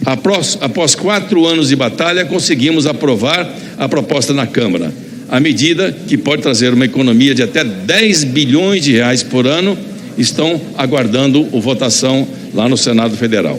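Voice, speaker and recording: A man at a moderate pace with lively intonation and very even loudness, plus noticeable background noise and audible room echo. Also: fairly high pitch for a man. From northern Paraná, Brazil. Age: 70s. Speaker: politician. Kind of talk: farewell speech. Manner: formal.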